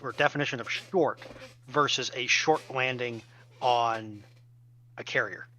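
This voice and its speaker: A man speaking as a panelist in an informal expert discussion, explaining his points deliberately and emphatically. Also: medium pitch, pushed and bright. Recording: dull, band-limited audio.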